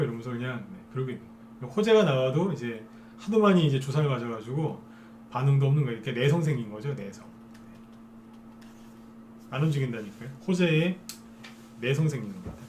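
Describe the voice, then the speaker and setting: A man's voice: mid-range voice, lively intonation, a little fast, pauses often, a little mellow, a little hiss or hum. A man giving a live stock trading lecture as a broadcaster, persuading viewers and often asking them to agree.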